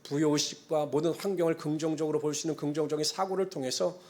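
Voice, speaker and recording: A man's voice: a little high, fairly even intonation, fast talker, a little mellow. A male pastor preaching a Sunday sermon, earnest and conversational, closing points with formal blessings. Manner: conversational asides and acted-out quotes.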